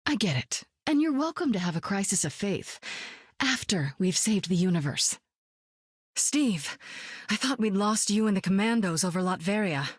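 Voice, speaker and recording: An actress voicing Black Widow, a seasoned woman superspy with a calm, wry, self-assured manner in game voice lines. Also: mid-range voice, moderate pace, breathy edge, no echo, clean studio sound. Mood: dry, wry. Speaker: game hero.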